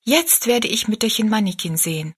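A woman's voice: medium pitch, animated, moderate pace, slightly rough. A woman voicing an earnest, polite young girl in a storybook, speaking eagerly. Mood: polite, pleading. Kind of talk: storybook narration.

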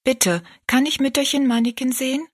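Young storybook heroine, earnest and courteous, pitched high, played by a woman. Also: moderate pace, breathy edge. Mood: polite, pleading. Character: earnest, polite young girl, eager and easily disappointed. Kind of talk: storybook narration.

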